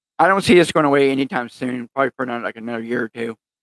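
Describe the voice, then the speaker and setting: With an American accent, a man talks at a fairly high pitch. The sound is dry and close, with no echo. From West Virginia. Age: 40s. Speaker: podcaster. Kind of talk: casual monologue. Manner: halting, many repetitions; animated.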